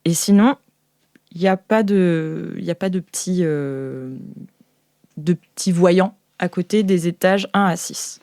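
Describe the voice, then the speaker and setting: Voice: medium pitch, unhurried, darkish tone, no echo, clean studio sound. A game master improvising tabletop role-play narration in a casual, hesitant way, often searching for words.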